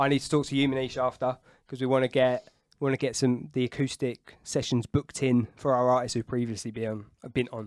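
In a dry, close recording with no echo, a man rattles along at a very fast pace in a flat monotone. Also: medium pitch for a man. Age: 30s. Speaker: podcast host. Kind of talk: casual chat; promotional announcements. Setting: studio.

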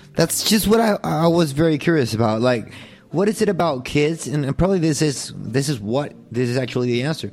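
Lively in intonation and fairly high in pitch, a man speaks at a fairly quick pace over noticeable background noise. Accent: Spanish. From Mexico. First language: Spanish. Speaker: podcast host. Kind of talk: interview. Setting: video call. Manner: halting.

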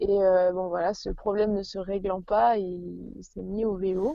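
Speaking with a normal speaking voice, this woman stays at a medium pitch and keeps her intonation fairly even. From Paris region, France. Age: 30s. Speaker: amateur ultra-distance cyclist. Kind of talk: casual interview.

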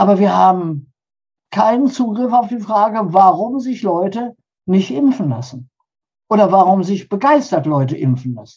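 Somewhat breathy and dark, mellow in tone, a woman's medium-pitched voice moves at a moderate pace with very wide pitch swings. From grew up in Poland, then West Germany from 1947. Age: 80s+. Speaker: sociologist and professor. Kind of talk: interview. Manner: long, expansive answers.

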